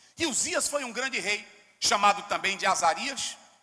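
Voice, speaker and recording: A hoarse, put-on character voice at a moderate pace. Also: man, high pitch for a man. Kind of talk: preaching, sermon.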